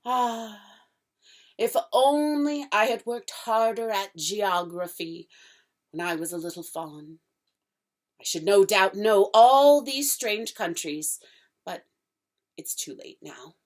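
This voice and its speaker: A woman voicing a nervous, polite male fawn who stammers and drops into breathy whispers. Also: fairly high pitch, sing-song, slow, voice pushed up, heavily acted. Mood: wistful.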